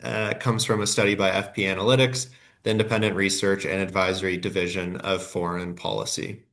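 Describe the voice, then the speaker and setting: A man with a cold presents a webinar workshop from prepared slides. His voice sits on the low side and sounds nasal, and he hesitates often, correcting himself mid-sentence as he goes. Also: a bit bright. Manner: halting, with frequent fillers and self-corrections.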